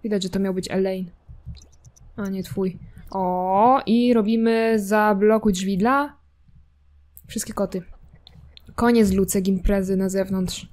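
A woman's voice: medium pitch, steady tone, slow pace, pauses often, a little mellow. A woman casually commenting while playing a life simulation game, chatty and teasing, talking to her characters and their cat. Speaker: gameplay streamer.

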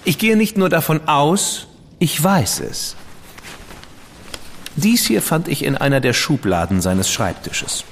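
An actor playing a witty, decadent dandy detective's partner in a German radio drama, flippant and ironic. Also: male voice, a little high, lively intonation, takes it slowly, pauses often, in a large hall, slight background noise. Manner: flippant, ironic, self-satisfied.

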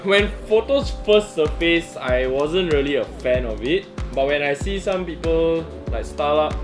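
A young Malaysian-English man co-hosts a sneaker chat in an easygoing, agreeable way. His voice sits a little higher than most men's. Loud music plays beneath him in an indoor office room. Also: expressive, moderate pace. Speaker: sneaker show co-host. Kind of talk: casual product review chat. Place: indoor office studio with shelves.

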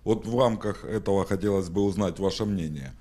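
A man in the audience asking the speaker a formal, measured question. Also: low voice, warm tone. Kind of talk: question from the floor.

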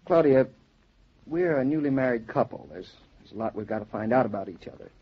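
An actor playing a playful young newlywed husband with a husky voice in a 1940s radio drama. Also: male voice, mid-range voice, lively intonation, fairly quick. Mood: tender. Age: young adult. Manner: playful, wry and good-humored. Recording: muffled 1940s radio broadcast.

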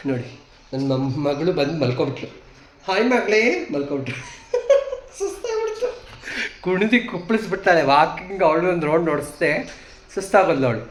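A trans woman vlogger talks casually while walking outdoors on a hill, teasing and bossing her viewers loudly. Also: lowish voice, lively intonation, a little fast. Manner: loud, teasing and bossy, scolding the viewers playfully. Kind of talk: casual vlog. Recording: roomy echo.

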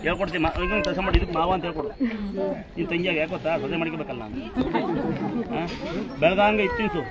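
A man with a Kannada accent, a temple priest instructing and blessing devotees at a fast, forceful pace. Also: on the high side. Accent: Kannada, Karnataka. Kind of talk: loud public address to devotees. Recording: loud crowd behind.

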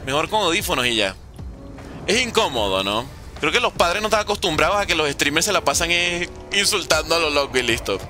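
Bright, lively young man. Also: on the high side, fairly quick, faint music behind. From Venezuela. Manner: joking and sarcastic while reading chat questions. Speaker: gaming streamer. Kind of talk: casual livestream commentary.

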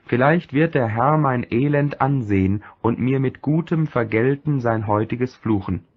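A man's voice: mid-range voice, unhurried, husky. Resigned old king, solemn, patient, man reading, muffled sound. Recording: dull lo-fi recording.

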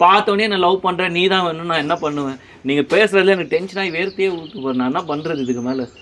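A male TV anchor rattles off his lines at a very fast clip. He sounds flustered and exasperated and keeps pleading his way out of a staged comic scene outdoors. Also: sits high, fairly bright tone. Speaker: TV anchor, interviewer. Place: outdoors on a road.

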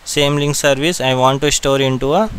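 A man with an Indian accent narrating a step-by-step software tutorial in short, repeated directions. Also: mid-range voice, steady tone, normal speed, a little hiss or hum.

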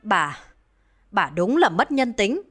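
A woman's voice: mid-range voice, sing-song, slow pace, a bit bright, breathy edge, exaggerated voice. A woman voicing a distraught older village man who talks in frantic, stammering repeats. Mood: accusing. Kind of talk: dramatized horror storytelling.

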